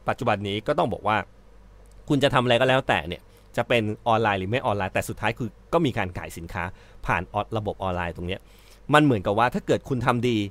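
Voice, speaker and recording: A man's voice: lowish voice, a bit bright. A male host giving casual commentary on an article he reads out, chatty, with frequent fillers and self-corrections.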